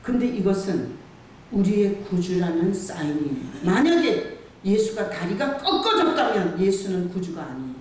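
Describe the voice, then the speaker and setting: A pastor preaching a sermon in a church, emphatic and quick to throw rhetorical questions at the congregation. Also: mid-range voice, big pitch swings, a little mellow. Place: church sanctuary. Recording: very echoey church hall, far from the mic, faint hiss.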